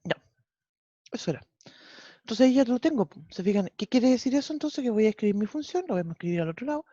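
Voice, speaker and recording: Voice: medium pitch, lively intonation, quick pace, warm tone, dry recording. A math teacher with a Chilean accent, teaching an online class step by step and often checking in with the students. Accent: Chilean Spanish. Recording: dull lo-fi online class audio.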